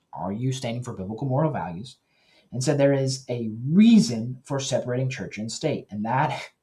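Hosting a Christian news commentary show, a man addresses his listeners earnestly and directly, often pausing and correcting himself. His voice is medium in pitch with a darkish tone.

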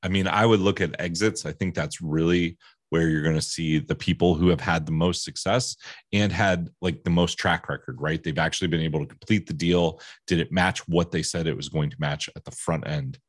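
A man's voice: low-pitched, steady tone, a little fast, no room sound, clean studio sound. A man hosting a podcast, asking questions and commenting on market conditions in a casual conversation. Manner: inquisitive, prompts the guest with questions. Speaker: podcast host.

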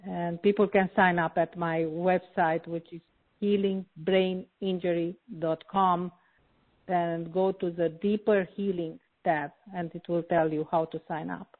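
A woman from Romania, a healer, talking slowly with many hesitant pauses in an interview. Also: on the low side, steady tone. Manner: slow, hesitant, frequent filler pauses. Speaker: healer and guest. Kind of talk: interview conversation. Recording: tinny phone-like line.

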